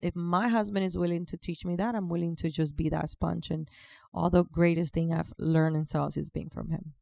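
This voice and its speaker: A woman's voice: on the low side, steady tone, a little fast, gravelly, dark tone, dry recording, clean studio sound. A woman in her forties with a Cuban Spanish accent and Spanish as her first language, chatting as a podcast guest. She talks freely, often restarts her sentences and laughs easily. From Cuba. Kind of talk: casual interview conversation.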